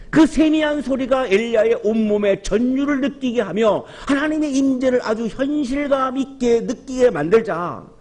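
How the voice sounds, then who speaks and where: A man in his fifties preaching a Sunday sermon in a church, telling a story and acting out quiet whispered lines and loud calls. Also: very high-pitched. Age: 50s. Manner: storytelling with soft acted quotes and sudden raised exclamations. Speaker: pastor. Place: church sanctuary.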